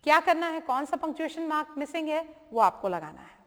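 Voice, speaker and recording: A woman teaching grammar in a video lesson, explaining patiently and reading examples slowly with exaggerated intonation. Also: sits high, big pitch swings, a bit bright. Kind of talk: classroom-style video lesson. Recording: long hall reverb.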